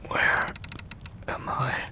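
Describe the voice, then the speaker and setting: A man playing an anguished, weary dead man in an audio drama, speaking gravely and breathily in an archaic, dramatic style. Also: extremely slow, in a whisper, full character voice. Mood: dazed. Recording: loud music under the voice.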